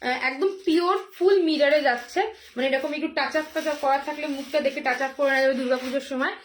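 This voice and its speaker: A hoarse woman selling jewellery on a live stream, chatty and repetitive, with many fillers and drawn-out phrases. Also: high voice, slight background noise. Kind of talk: live sales pitch.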